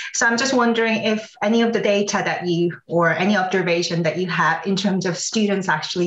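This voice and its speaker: A woman at a moderate pace, fairly even in intonation, with audible room echo against a quiet background. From South Korea. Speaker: seminar attendee asking questions; audience member. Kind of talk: Q&A question. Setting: video call. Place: home room. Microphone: video call.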